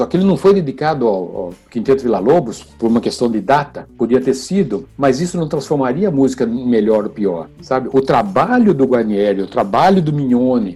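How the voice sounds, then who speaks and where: An older man, a chamber musician, telling stories in an interview, animated, often adding "né?" at the ends of phrases. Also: mid-range voice, breathy edge. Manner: animated, frequent "né?" tags. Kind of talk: storytelling interview.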